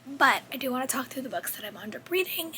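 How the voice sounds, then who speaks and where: A woman in her thirties with a sore, hoarse voice, half-whispering through a chatty book wrap-up vlog. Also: high-pitched, lively intonation, fast, bright, forceful tone, slight background noise. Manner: chatty, rambling with self-corrections. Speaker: book vlogger. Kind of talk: casual book wrap-up chat.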